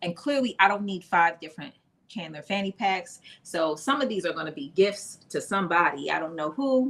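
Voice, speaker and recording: A woman at medium pitch uses an unremarkable speaking voice at a fairly quick pace. Her intonation is lively, and her loudness swings widely. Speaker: sewing channel host. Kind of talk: live stream sewing tutorial. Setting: live stream. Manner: casual, filler-heavy.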